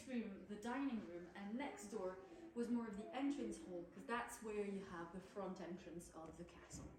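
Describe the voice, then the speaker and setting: With a slight French accent, the speaker uses lively intonation, with audible room echo and noticeable background noise. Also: woman. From France. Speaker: tour guide. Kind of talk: guided tour talk.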